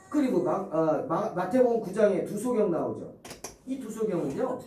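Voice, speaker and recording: A male pastor preaching with a high, lively voice that swoops up and down as he acts out scenes and quizzes his listeners. His tone is mellow and dark, and the sound is roomy and heard from a little way off the mic. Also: distant mic. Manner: animated preaching, acts out bits of Bible scenes, asks the congregation questions. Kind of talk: sermon.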